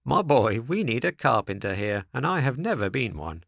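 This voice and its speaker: A man voicing a large female snail in a storybook, calm, peaceful and never in a hurry. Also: mid-range voice, normal speed, gravelly, dry recording, clean studio sound, heavily acted. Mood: calm, patient. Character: large female snail servant, calm, slow, unhurried, motherly.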